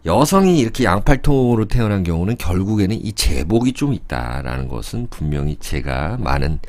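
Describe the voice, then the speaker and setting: Low-voiced man in his fifties, animated casual lecturer, thinks aloud and asks rhetorical questions. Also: a little fast. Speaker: saju fortune-telling lecturer.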